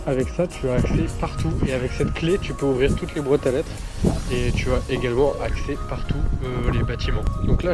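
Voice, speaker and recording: Young man with a stuffy nose. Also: medium pitch. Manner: chatty, rambling, with many fillers. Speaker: vlogger. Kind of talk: casual vlog chat. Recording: music playing behind.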